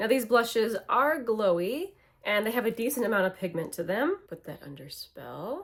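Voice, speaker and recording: With a normal speaking voice, a woman speaks at a moderate pace in a fairly high pitch. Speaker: beauty YouTuber. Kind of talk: product review monologue.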